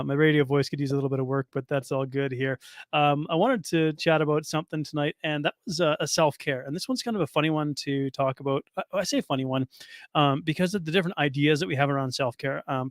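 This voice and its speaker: A man with a hoarse voice talks quickly and casually on his solo podcast, full of fillers and restarts. His voice sits a little high. The recording is dry, with no room echo. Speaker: nutrition coach and podcast host.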